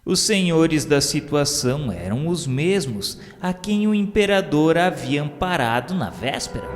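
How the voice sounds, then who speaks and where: Brazilian guy narrating a radio drama real slow and solemn, long echo, faint music under it. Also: mid-range voice. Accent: Brazilian Portuguese. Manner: slow, solemn, measured delivery.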